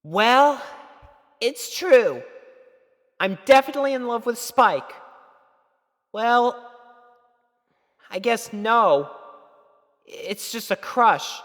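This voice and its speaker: A woman's voice: a little high, lively intonation, extremely slow, pauses often, long reverb tail, voice pushed up. A woman voicing a nervous young girl pony with a crush, stammering and gushing in a storybook reading. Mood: flustered. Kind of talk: storybook character voice in a fan fiction reading.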